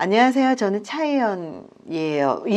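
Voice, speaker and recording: A woman mumbles in a put-on character voice at a medium pitch and moderate pace. Her pitch swings very widely. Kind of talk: self-introduction. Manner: mumbling, trailing off at the end.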